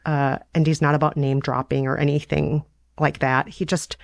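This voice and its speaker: A woman chatting reflectively and conversationally as a host on a relaxed bedtime podcast. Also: low-pitched, moderate pace, gravelly, no room sound, clean studio sound.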